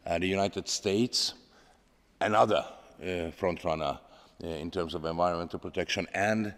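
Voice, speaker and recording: Male, 50s, Hungarian accent, low voice, hesitant formal panel speaker in a big reverberant chamber. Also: a bit bright. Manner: halting, hesitant with many pauses. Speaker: panel speaker answering questions. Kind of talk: formal question-and-answer speech. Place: large parliament chamber. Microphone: gooseneck desk microphone. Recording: echoey large hall, long reverb.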